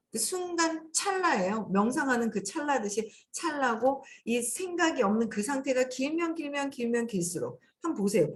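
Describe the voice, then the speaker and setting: A woman hosting a casual spiritual talk, acting out quoted thoughts as she explains them. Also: on the high side. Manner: animated, acts out quoted thoughts. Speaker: host.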